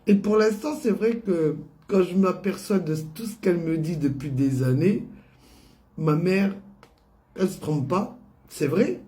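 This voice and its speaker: A woman vlogger telling a story in casual, animated way, often amused. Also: lowish voice, unhurried.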